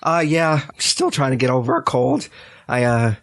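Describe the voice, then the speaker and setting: A man hosting a podcast, hoarse and stuffed up from a cold, with a raspy voice and a rambling manner full of fillers and restarts. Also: mid-range voice, big pitch swings, moderate pace, no echo, clean studio sound. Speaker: podcast host. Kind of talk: casual podcast chat.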